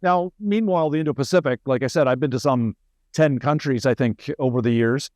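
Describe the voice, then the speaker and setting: A man's voice: medium pitch, brisk, a little mellow, no echo, studio quality. A middle-aged man with a Canadian accent talks informally as an interview guest, explaining through anecdotes and wry asides. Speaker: senior military officer, interview guest.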